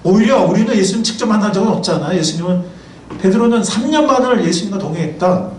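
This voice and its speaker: Brief: male pastor, lively sermon voice with wide swings in pitch, questions to the pews, caught from afar with faint room ambience. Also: quick pace, a little hiss or hum. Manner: asks the congregation questions; lively, chatty preaching with asides. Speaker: pastor and professor. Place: church sanctuary. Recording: roomy, distant mic, faint ambience.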